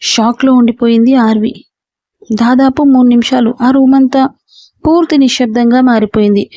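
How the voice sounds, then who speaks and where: A woman storyteller giving a steady scripted story narration. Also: fairly high pitch, normal speed, no echo, highs cut off.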